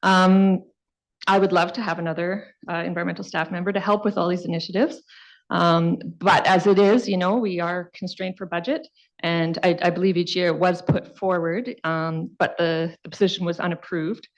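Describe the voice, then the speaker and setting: A woman's voice: fairly low pitch, steady tone, normal speed, rough recording. A woman with a Canadian accent, a city environmental lead presenting a report to council in plain speech with frequent fillers. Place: council chamber.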